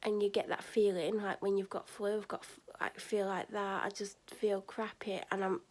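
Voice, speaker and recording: A woman's voice: mid-range voice, flat delivery, normal speed, darkish tone. A woman vlogging while sick and exhausted, with a sore throat, rambling tiredly with many fillers. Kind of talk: casual vlog chat. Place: bedroom at night, then out by a shop.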